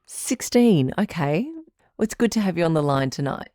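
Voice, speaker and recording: A woman's voice: low-pitched, expressive, moderate pace, mellow, dry recording, studio quality. A woman playing a patient, reassuring doctor who hosts a radio advice show, articulate and composed, in a scripted audio drama. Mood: gentle, patient.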